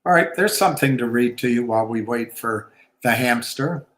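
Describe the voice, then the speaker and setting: A man's voice: mid-range voice, normal speed, a bit bright. A man hosting a casual livestream about markets, rambling and opinionated with wry asides. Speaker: livestream host. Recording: roomy echo.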